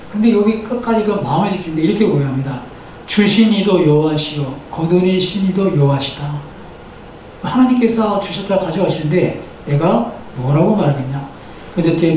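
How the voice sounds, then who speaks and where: A male pastor preaches to his congregation, posing rhetorical questions and having them repeat lines back to him. His voice sits high and mellow. It rings through a reverberant church hall, picked up from some distance with a faint hum of room noise. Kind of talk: sermon. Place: church sanctuary. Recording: echoey church hall, from the mic.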